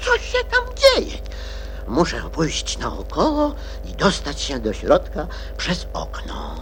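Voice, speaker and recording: A bossy white rabbit gentleman from a children's radio play, flustered and quick to scold. The pitch leaps wildly up and down, while the words are drawn out with theatrical impatience. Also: wildly swooping pitch, soft background music, exaggerated voice. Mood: irritated, alarmed.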